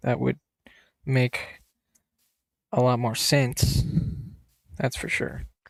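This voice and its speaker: Speaking quietly at a fairly slow pace, a man is recorded with a dry, close sound and no echo. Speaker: gaming YouTuber. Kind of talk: gameplay livestream commentary. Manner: quiet, subdued.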